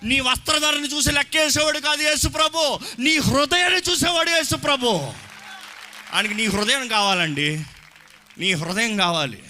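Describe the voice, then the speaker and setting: Male pastor, high lively voice, bursts of shouting, live church sermon recording with music under it. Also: normal speed, a faint crowd. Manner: shouting, mixing Telugu with English phrases. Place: church hall.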